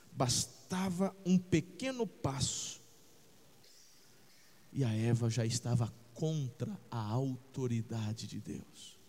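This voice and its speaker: A man pastor preaching a sermon, swinging between shouts and low, intense passages, calling the listeners "brother" and checking that they follow. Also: long reverb tail.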